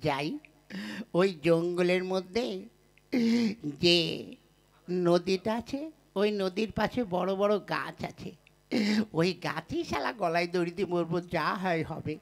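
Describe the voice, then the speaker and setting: A woman's voice: fairly low pitch, a little slow, pauses often. Woman putting on a bumbling lovesick village lad. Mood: despairing. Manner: bumbling, mumbling, mispronounces names. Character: lovesick clumsy young village man, half-mad suitor. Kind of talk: puppet show voice acting.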